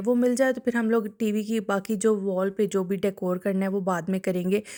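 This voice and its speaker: A woman talks in an ordinary speaking voice at a medium pitch with fairly even intonation. The recording is very clean, with a silent background. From Pakistan. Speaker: vlogger, homemaker. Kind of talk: casual home vlog talk to camera.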